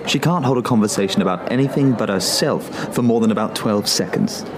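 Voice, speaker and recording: An actor playing a self-absorbed photographer and breezy, defensive boyfriend in naturalistic audio drama dialogue. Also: male voice, fairly low pitch, fairly quick, noisy background, natural voice. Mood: amused, defensive. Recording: music under the voice. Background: music.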